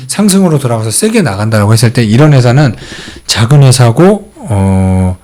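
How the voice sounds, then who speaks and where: A middle-aged man walks through stock charts in a casual, chatty way, leaning on fillers as he goes. His pitch swings freely, rising and falling as he makes each point. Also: a little mellow. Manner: explains charts step by step with many fillers. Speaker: stock channel host. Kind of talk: casual stock market commentary.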